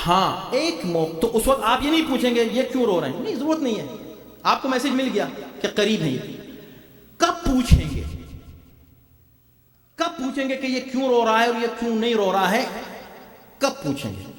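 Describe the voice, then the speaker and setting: A man preaching a majlis sermon to a congregation, with a rhetorical style that builds to impassioned shouts. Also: high-pitched. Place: large hall before a congregation. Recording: echoey hall, distant mic.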